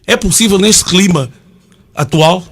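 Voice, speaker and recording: A man's voice: sits high, measured pace, a bit bright, breathy edge. A man in his sixties with an Angolan Portuguese accent, hosting a studio panel debate and insistently pressing his guests with his question. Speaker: debate show host.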